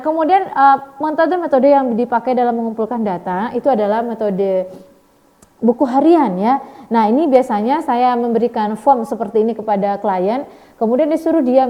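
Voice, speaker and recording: A middle-aged woman lecturer with a high, mellow voice, teaching in a recorded video lesson. She explains patiently and keeps adding "ya", slipping in English words. She acts out small classroom exchanges with sudden jumps in pitch. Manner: frequent tag "ya" and Indonesian-English code-switching. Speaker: university lecturer.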